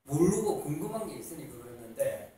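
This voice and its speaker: A man's voice: a little high, expressive, brisk, dark tone. A man asking an interviewee long, rambling questions in a casual way. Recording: distant, echoey, faint noise.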